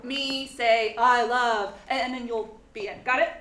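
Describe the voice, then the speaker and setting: A bright, high voice belongs to an eager young director who keeps apologizing, read by a woman. It sounds from an echoey room with faint ambience around it. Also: steady tone, measured pace, slight background noise. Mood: instructive. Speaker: Lily, director reading Billy's lines. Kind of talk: staged reading of a play.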